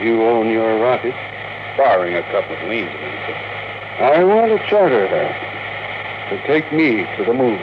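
An earnest elderly tycoon, noisy recording. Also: male voice, fairly low pitch, sing-song, phone-quality sound. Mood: businesslike. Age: older. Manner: polite, measured, reflective storytelling. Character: elderly wealthy tycoon, earnest, wistful moon dreamer. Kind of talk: 1950s radio drama acting. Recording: noisy old radio broadcast recording.

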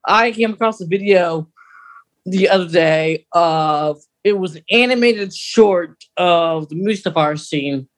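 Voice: medium pitch, takes it slowly. A podcast co-host chatting casually about a radio drama, explaining things in a rambling, hesitant way.

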